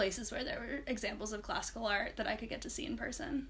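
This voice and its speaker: A woman speaks with a bright, sharp tone in an American accent. Her pitch varies in an ordinary way. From United States. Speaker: art history student. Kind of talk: interview answer.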